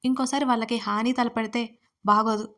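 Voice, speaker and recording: A stern, protective young woman from an audio story, voiced by a woman narrator. She speaks seriously and firmly in a fairly high voice. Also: fairly even intonation, moderate pace, fairly bright tone, close to an everyday voice.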